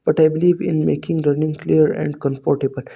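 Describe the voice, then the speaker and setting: A man's voice: fairly high pitch, little pitch movement, a little fast, creaky, breathy edge, dull audio. A man with a South Asian accent, a native Urdu or Hindi speaker, gives a scripted English lesson narration as a teacher, in an instructive, encouraging manner. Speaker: English teacher introducing an online course.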